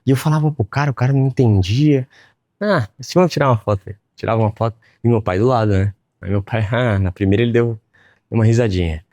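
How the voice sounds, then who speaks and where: A man's voice: mid-range voice, quick pace, mellow, no room sound. A man with a Brazilian accent telling a personal story in a blunt, profane, emphatic way, as a motivational speaker. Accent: Brazilian Portuguese. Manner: addresses viewers as "rapaziada". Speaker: online business educator.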